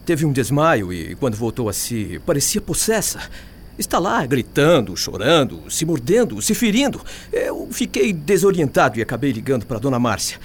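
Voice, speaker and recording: A man's voice: medium pitch, sing-song, normal speed, slight background noise, close to an everyday voice. A man playing a distraught, agitated young adult son in a Brazilian radio soap opera. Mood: anxious, distraught. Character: distraught young adult son reporting his girlfriend's breakdown.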